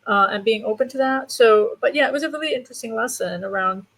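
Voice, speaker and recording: A woman's voice: fairly high pitch, quick pace, fairly bright tone. A woman moderating a conversation with a theater artist, speaking thoughtfully and searching for her words. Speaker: interview moderator. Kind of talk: conversational interview.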